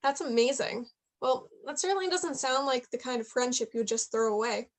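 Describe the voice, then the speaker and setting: A woman's voice: high voice, brisk, natural voice. A woman playing a playful, persistent eighteen-year-old journalism student in a play reading, chatty and probing. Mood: reassuring. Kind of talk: staged reading of a play, naturalistic dialogue.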